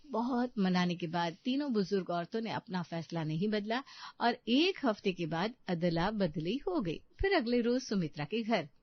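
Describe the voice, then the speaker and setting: A woman narrating a cartoon story in an even, storybook manner. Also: mid-range voice, normal speed, no echo. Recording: dull dry studio audio.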